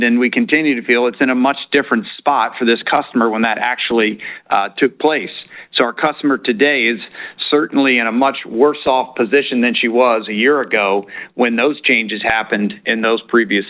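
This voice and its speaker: A man speaking as a company executive answering questions on an earnings call, in a measured, halting corporate manner. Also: mid-range voice. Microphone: conference call line. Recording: narrow-band conference phone line.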